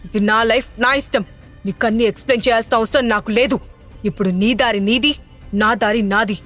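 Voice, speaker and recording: A woman's voice: fairly high pitch, steady tone, fairly quick, fairly bright tone, soft background music, close to an everyday voice. A woman voicing a young mother who answers her family in a cold, curt way. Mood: cold defiant.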